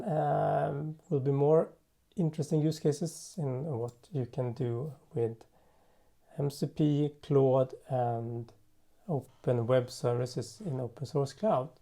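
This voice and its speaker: A man talks through a software demo at a slow, unhurried pace. His voice is very dark and soft-edged, with a gravelly creak. He pauses and thinks aloud as he goes, like a presenter working live without a script. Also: medium pitch. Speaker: tutorial presenter. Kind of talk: unscripted software demo narration.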